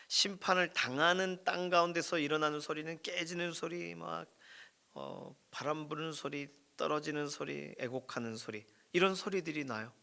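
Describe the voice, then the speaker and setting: A middle-aged man preaching a sermon as pastor, expressive, rising and dropping his voice to near whisper. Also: on the high side, gravelly. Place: church prayer room.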